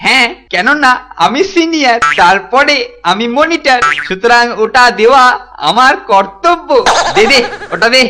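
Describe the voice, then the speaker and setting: A woman's voice: a little high, expressive, a little slow, bright, forceful tone, slight background noise. A woman voicing a scheming, self-important teenage schoolboy monitor in a cartoon. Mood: bossy. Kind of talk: exaggerated cartoon voice acting.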